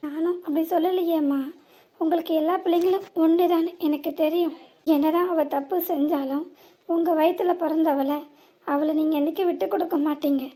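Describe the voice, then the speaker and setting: A gentle grown son, voiced by a woman in a high but mellow voice stumbles over his words. His southern Tamil Nadu accent comes through as he hesitates and dodges in this cartoon comedy. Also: fairly even intonation, brisk. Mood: hesitant, evasive. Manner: hesitant, faltering.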